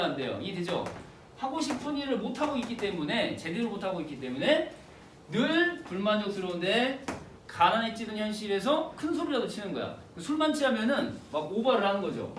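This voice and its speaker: A male teacher lectures in a classroom, lively and slangy, constantly checking with his students through rhetorical questions. His voice is high and swings widely. The sound is roomy and distant, with a faint hiss. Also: brisk. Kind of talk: exam-prep literature lecture.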